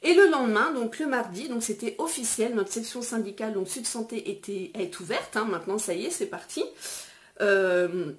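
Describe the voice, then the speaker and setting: A middle-aged woman vlogger chatting casually, retelling a story in an animated way with many fillers. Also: fairly high pitch, moderate pace. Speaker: beauty vlogger.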